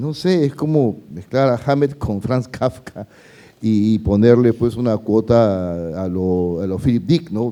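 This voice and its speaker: A dark, mellow tone with ordinary pitch variation. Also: man. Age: 60s. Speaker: novelist. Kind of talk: panel discussion. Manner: halting, many fillers.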